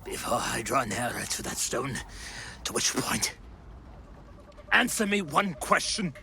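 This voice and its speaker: A man's voice: mid-range voice, very animated, a little slow, vocal fry, pushed and bright, slight background noise, exaggerated voice. An actor playing an old miser in an audio drama, theatrical, exclamatory and overwrought as he repents. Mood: fearful. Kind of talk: audio drama stage acting.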